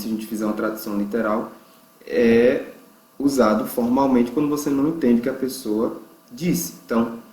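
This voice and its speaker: A man from Brazil teaching an English lesson, explaining phrases and slowly drawing out example words for learners to repeat. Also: medium pitch, a little mellow. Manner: slow, drawn-out pronunciation drills. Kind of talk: online language lesson. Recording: echoey room.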